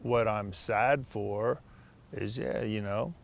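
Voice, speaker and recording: A man giving reflective interview remarks as a coach, in halting phrases. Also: on the low side, gravelly. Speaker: college soccer coach.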